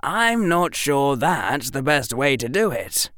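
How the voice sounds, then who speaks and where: A man's voice: mid-range voice, very animated, takes it slowly, fairly bright tone, dry recording, studio quality, pitched above the performer's own voice. A man voicing a clever eleven-year-old boy who reasons things out matter-of-factly. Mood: calm reasoning.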